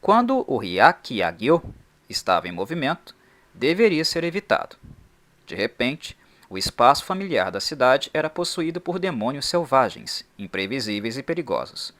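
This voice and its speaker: Man, channel host, scripted reading, lively pitch, emphatic. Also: moderate pace.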